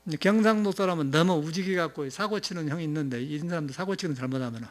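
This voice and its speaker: A male monk speaking with a Jeolla accent delivers an informal sermon in a loose, wandering way. His voice sits a little higher than most men's, and he breaks into chuckles and filler sounds as he talks. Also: very fast. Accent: Jeolla Korean. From Jeolla, South Korea. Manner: rambling, conversational, frequent chuckles and filler sounds. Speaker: Buddhist monk giving a dharma talk.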